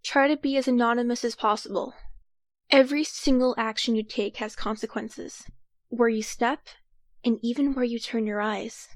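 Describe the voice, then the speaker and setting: A woman's voice: a little high, steady tone, moderate pace, no room sound, close to an everyday voice. A woman playing an earnest, cautious young time traveler who takes charge and explains things carefully in an audio drama. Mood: serious, warning.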